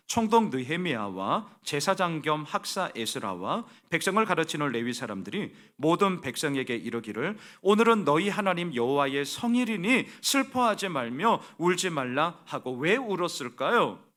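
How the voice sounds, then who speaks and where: A male pastor preaching with a lively, swinging delivery, his voice rising high and then sinking low. His tone is bright and forceful, and he keeps asking rhetorical questions. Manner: emphatic preaching with rhetorical questions, acting out the people's weeping prayer. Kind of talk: sermon.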